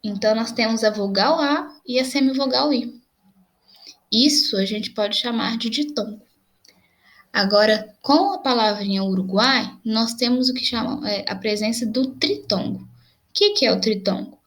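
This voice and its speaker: A young adult woman teacher with a Brazilian Portuguese accent, patiently explaining grammar in a video lesson and slowly spelling out examples. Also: on the high side, fairly bright tone.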